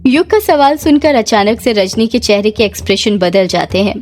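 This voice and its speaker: A woman telling a scripted horror story in Hindi, steady and dramatic. Her voice sits on the high side, and faint music plays beneath it. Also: normal speed.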